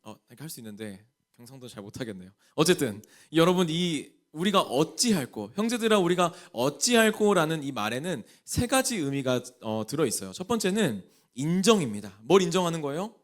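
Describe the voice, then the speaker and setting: A man's voice: medium pitch, sing-song, brisk, few pauses. A male pastor from Jeolla with a Jeolla accent, preaching a sermon to a young adults group and asking the congregation many questions. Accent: Jeolla Korean. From Jeolla region, Korea.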